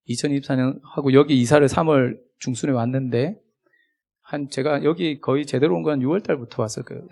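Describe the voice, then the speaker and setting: A man preaching a sermon as a guest pastor, chatty and humorous, with big swings in loudness, acting out remembered conversations. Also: medium pitch, creaky. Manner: acts out remembered dialogue.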